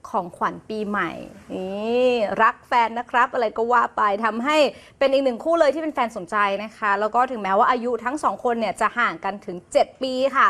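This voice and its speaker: A woman's voice: a little high, brisk, few pauses, fairly bright tone. A woman hosting an entertainment news show, reading stories in a polite newsreader manner.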